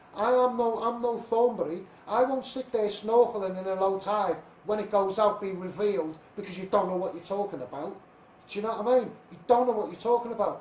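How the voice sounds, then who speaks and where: A voice with a Liverpool accent moves at a fairly quick pace with ordinary pitch variation and big swings in loudness. Noticeable background noise sits behind it. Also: man, high pitch for a man. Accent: Scouse. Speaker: campaigner. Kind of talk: live stream talk to camera. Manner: agitated, ranting.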